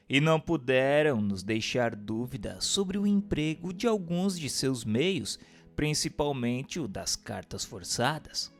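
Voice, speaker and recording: A Brazilian man reading a book aloud as scripted narration, in a formal, measured, didactic way with emphatic phrasing. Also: mid-range voice. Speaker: reader of a book. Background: instrumental music.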